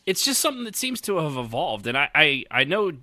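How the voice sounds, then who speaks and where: A man in his 30s or 40s hosts a casual podcast panel chat about online roleplay, rambling, stammering and swearing casually as he works through his thoughts. His voice is on the high side and sharp, with big pitch swings and a brisk pace, in clean studio sound with no room echo.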